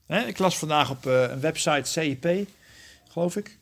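A man's voice: on the high side, moderate pace, breathy edge. A man leading a Bible study, explaining scripture verse by verse and often checking with his listeners. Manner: earnest, often asks the group questions; explains verse by verse, self-correcting. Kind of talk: interactive Bible teaching.

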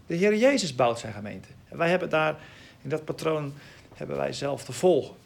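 A man's voice: on the high side, lively intonation, moderate pace, vocal fry. A man giving informal Bible teaching in Dutch, reading scripture aloud and explaining it with emphasis.

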